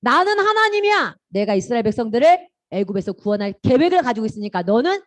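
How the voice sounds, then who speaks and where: A woman's voice: a little high, sing-song, fast talker. A woman voicing God in a children's Bible story, speaking firm, declaring commands to a prophet.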